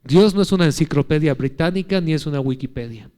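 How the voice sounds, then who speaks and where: A man in his thirties, a pastor, preaching an earnest sermon. He moves between emphatic, raised lines and soft, hushed ones, tells stories conversationally and puts direct questions to his listeners. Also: fairly high pitch, fast talker, clean tone.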